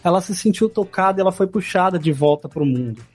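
A man telling a long story in a casual podcast chat, rambling and halting, full of filler phrases. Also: high voice, animated, husky, soft background music.

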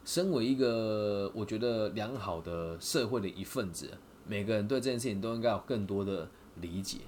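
A man with a Taiwanese Mandarin accent hosting a podcast, telling a story in a lively way and asking listeners rhetorical questions. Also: on the low side, moderate pace, a little hiss or hum. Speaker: podcast host. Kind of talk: casual storytelling monologue.

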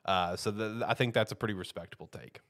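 Chatty low-voiced man hosting a podcast. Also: quick pace, a bit bright. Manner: loose and chatty, lots of fillers, laughs often. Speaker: podcast host. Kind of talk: casual sports podcast chat.

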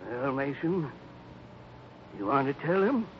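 A man's voice: medium pitch, very animated, slow. A man playing a bitter, vengeful father, menacing and insistent, in an old-time radio western drama. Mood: bitter accusing. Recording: dull, faintly noisy old radio recording.

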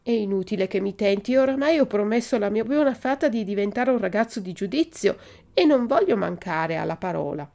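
A woman reading a storybook aloud, voicing a wooden puppet boy who is eager and easily tempted, with wistful, drawn-out exclamations. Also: a little high, vocal fry, pitched above the performer's own voice.

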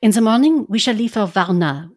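A woman's voice: mid-range voice, expressive, fairly quick, natural voice. A woman voicing a wise older male professor who speaks in grave, formal, old-fashioned phrases.

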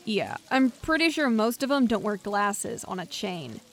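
A woman's voice: mid-range voice, sing-song, unhurried, fairly bright tone, heavily acted. An actress playing a brash, sarcastic young woman scientist in an audio drama, slangy, sweary and defensive. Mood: wry, puzzled. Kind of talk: audio drama acting, naturalistic banter.

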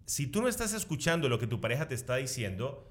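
A man's voice: medium pitch, fast. A man with a Latin American Spanish accent co-hosting a couples chat, joking and speaking straight to the audience. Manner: animated, jokey, addresses audience directly. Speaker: co-host of a couples show. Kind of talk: casual chat.

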